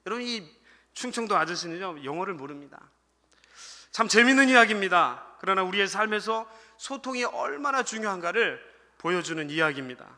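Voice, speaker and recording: An associate pastor delivers a Sunday sermon in a church sanctuary, often calling out to the congregation and telling a humorous story. His high voice is animated, brisk, pushed and bright, with church hall reverb on the recording.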